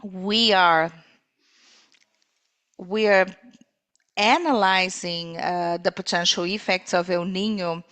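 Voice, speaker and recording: A woman interpreting live on a corporate call, speaking in halting phrases with pauses mid-sentence. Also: fairly low pitch, fairly bright tone.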